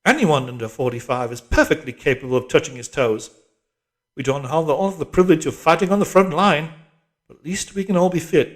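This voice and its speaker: A man's voice: a little high, fairly quick, voice pushed up, lightly acted. A man voicing a shrewish, bossy middle-aged woman barking exercise orders and patronising encouragement in an audiobook. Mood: brisk, exhorting. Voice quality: shrewish, strident. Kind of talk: audiobook character voice.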